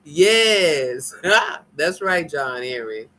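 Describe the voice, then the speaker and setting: Speaking from her home in Nigeria, this American woman with an African American English accent teases and jokes casually with her live-stream audience, laughing a lot in an animated, folksy way. Her voice sits low, and she draws out her words.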